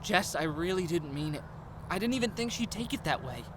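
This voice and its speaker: A man's voice: high-pitched, expressive, fairly quick. A man acting an earnest, blunt young escaped test subject in an audio drama, sounding worried. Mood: defensive. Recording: clearly noisy outdoor ambience bed.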